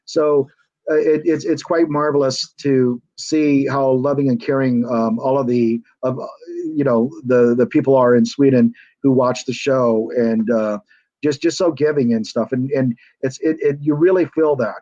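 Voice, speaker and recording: A former reality show contestant from the United States joins a casual video call as a guest, talking hesitantly and rambling with lots of fillers and restarts. His mid-range voice is steady, normally paced, and dark in tone, in a dry, muffled recording.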